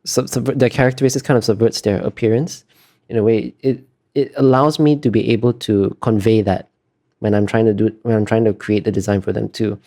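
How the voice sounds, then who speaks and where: A man's voice: on the low side, fairly even intonation, a little fast, dark tone. A man being interviewed as an artist, talking casually and thoughtfully, feeling his way through explanations in trailing clauses.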